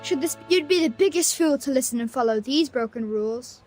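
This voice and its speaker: An actress playing a cheeky, streetwise young arcanist in a video game, teasing, theatrical and talkative. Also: female voice, high-pitched, animated, a little fast. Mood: sardonic. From Bosnia and Herzegovina. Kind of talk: video game story voice acting. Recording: loud music under the voice.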